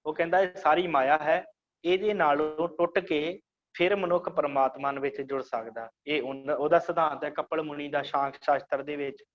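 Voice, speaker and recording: Male religious teacher, slightly high-pitched, slow explanatory delivery; muffled lo-fi audio. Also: fairly even intonation. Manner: explains slowly, repeats phrases to teach pronunciation. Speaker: Sikh scripture teacher. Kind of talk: online religious class.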